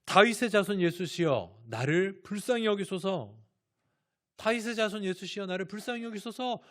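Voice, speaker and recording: A man voicing a desperate blind male beggar, shouting and pleading for mercy. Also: sits high, expressive, normal speed, voice pushed up.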